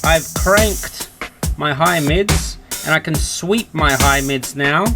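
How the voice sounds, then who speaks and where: A man's voice: fairly high pitch, takes it slowly. A man presenting a casual, hands-on tutorial, explaining things informally step by step. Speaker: presenter of an audio gear tutorial. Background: electronic music beat playing.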